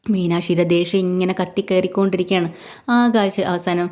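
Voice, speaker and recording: Woman chatting through a story recap, low-ish soft voice. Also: fairly even intonation, a little fast. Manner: chatty, conversational retelling. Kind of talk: casual spoken story recap.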